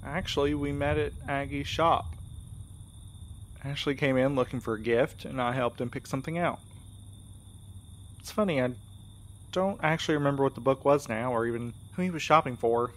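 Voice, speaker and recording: A man acting in a fiction podcast as an earnest, gentle, anxious young courier, speaking sincerely and a little hesitantly. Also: medium pitch, moderate pace, pauses often, lightly acted. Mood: tender.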